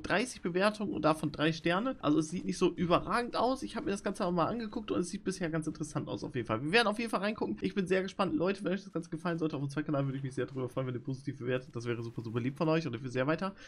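Excitable young German gaming streamer. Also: male voice, a little high. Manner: excitable, swings between shouting and muttering. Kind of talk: live gaming commentary.

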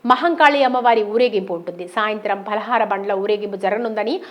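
A woman's voice: mid-range voice, a little fast. A woman reading a scripted news report as a voice-over narrator.

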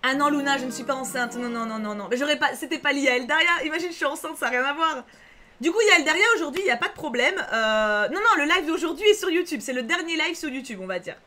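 A woman's voice: sits high, lively intonation, fast, few pauses, pushed and bright. A woman streaming live, chatting casually with viewers, reassuring and repeating herself with lots of fillers. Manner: chatty, reads chat aloud, frequent fillers.

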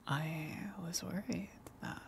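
A woman playing a gentle eldritch tentacle monster in an ASMR roleplay, coaxing and soothing in a breathy whisper with long pauses. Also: lowish voice, slight background noise. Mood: reassuring, luring.

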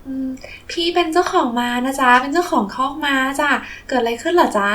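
A woman plays a friendly stable owner in a toy play for children. The high voice sounds sweetly reassuring and welcoming. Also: brisk, a bit bright.

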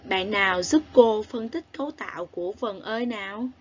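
A woman with a southern Vietnamese accent teaching a recorded lesson to young children, spelling sounds aloud clearly and praising the class. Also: mid-range voice, animated, moderate pace, muffled recording. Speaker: primary school teacher.

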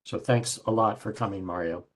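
An older man hosting a seminar over a video call, introducing a speaker in a halting, hesitant way. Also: fairly low pitch.

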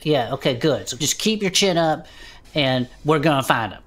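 A woman's voice: sits low, lively intonation, moderate pace. A woman voicing a small, big-headed male adventurer who talks in a folksy, slangy drawl in a comedic audio drama.

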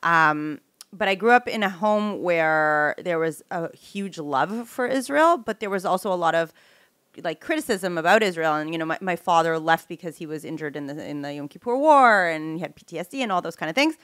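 A woman's voice: lowish voice, animated, brisk, a bit bright, no room sound. Woman interviewing, dry close mic. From Canada. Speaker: podcast host and interviewer. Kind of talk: casual conversational interview. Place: small home-style studio, indoors. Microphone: close studio microphone with headset monitoring.

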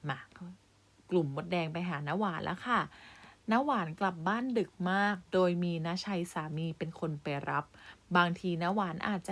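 A primary school Thai teacher reads a story aloud to young pupils, pausing to patiently explain words and addressing them directly with polite particles. Her voice is fairly low in pitch and a bit bright.

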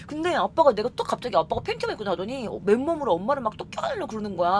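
A woman's voice: on the high side, a little hiss or hum. A young woman streamer telling personal stories in casual, emotional chat from her home streaming room, acting out the lines she quotes from herself.

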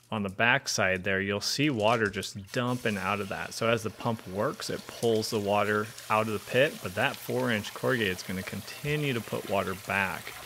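A man's voice: fairly low pitch, fairly bright tone, a little hiss or hum. A man in his thirties giving a methodical, step-by-step home repair lesson in a basement. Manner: clear, methodical, practical explaining. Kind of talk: step-by-step how-to explanation. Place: basement with concrete walls.

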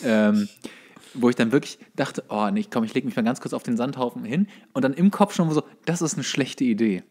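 A man's voice: medium pitch, brisk, a little mellow. A man telling anecdotes in casual chat as a podcast co-host.

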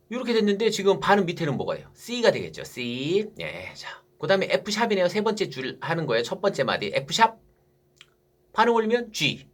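Husky-voiced male music teacher. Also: on the high side. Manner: talks to students, asks and answers his own questions. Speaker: saxophone teacher. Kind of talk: music theory lesson.

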